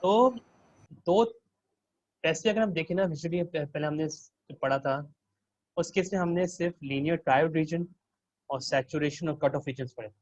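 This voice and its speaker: A man's voice: on the high side, moderate pace, pauses often, no echo, dull audio. A man working as a teaching assistant, walking students through a circuit simulation and quizzing them with questions.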